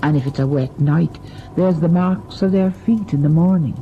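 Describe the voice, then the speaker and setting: A woman's voice: deep voice, normal speed. An actress playing a superstitious, deferential older servant woman, guarded and uneasy, in an old-time radio drama. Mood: hushed, foreboding. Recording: dull, noisy old radio recording.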